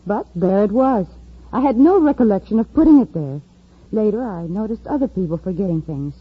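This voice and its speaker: A woman's voice: mid-range voice, lively intonation, a little fast, slightly rough. A woman playing a brave, earnest young factory worker in an old radio drama. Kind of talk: 1950s radio drama acting. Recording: dull lo-fi old radio recording.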